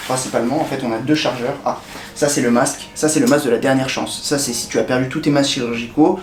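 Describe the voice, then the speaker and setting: A young French man in a casual vlog, chatting directly to the viewer in a relaxed way with many hesitations. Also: medium pitch, quick pace. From France. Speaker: vlogger. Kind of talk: casual talk to camera. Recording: echoey room with faint ambient noise.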